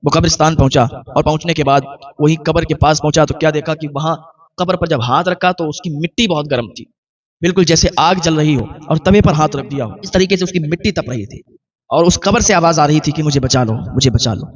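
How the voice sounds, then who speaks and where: A man's voice: fairly high pitch, brisk, recorded from a distance, dull audio. A man narrating a moral religious tale in an earnest, preachy manner. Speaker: religious storyteller.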